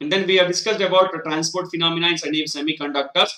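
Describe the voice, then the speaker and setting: In a normal speaking voice, a man delivers his words at a fairly high pitch and with fairly even intonation. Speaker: online teacher. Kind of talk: lecture.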